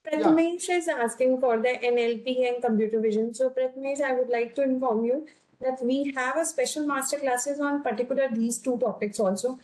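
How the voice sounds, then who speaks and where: A woman moderates an online class over a video call. Her voice sits high, and she speaks to inform the attendees. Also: fairly quick, a little mellow, rough recording.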